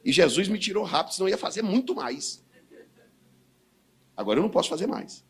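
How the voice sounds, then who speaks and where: A man with a Brazilian Portuguese accent preaching a sermon, swinging between low, quiet stretches and loud, fiery bursts. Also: big pitch swings, quick pace, creaky. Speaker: pastor.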